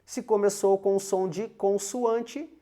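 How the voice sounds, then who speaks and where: A man's voice: high voice, fairly even intonation, slow, dark tone. A Portuguese-speaking man teaching an English grammar lesson, having students repeat phrases after him and tagging lines with "né?" and "alright?".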